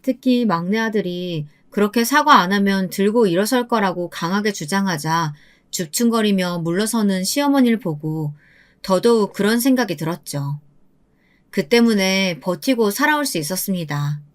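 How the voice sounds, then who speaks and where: A woman in her seventies calmly recounting her own hard life in scripted first-person narration. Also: mid-range voice, normal speed. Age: 70s. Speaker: storyteller.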